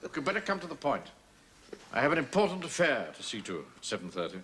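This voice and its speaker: Pompous stuffy officer, indignant, bright lively voice. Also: male voice, medium pitch, fast talker. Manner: indignant and self-important. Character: pompous, stuffy middle-aged man, an officer. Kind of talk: 1970s TV sitcom acting.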